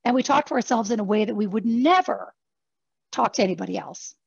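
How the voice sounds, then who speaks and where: Fast-talking woman coaching over video call. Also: medium pitch, vocal fry, husky, no room sound, muffled recording. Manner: fast-talking, animated, acts out examples. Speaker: executive coach. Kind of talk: online workshop talk.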